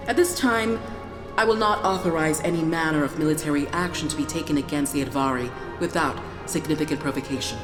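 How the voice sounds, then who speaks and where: Low-voiced, composed, resolute Prime Minister. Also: female voice. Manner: measured, formal, resolute. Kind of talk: sci-fi audio drama parliamentary speech. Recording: echoey hall, music behind.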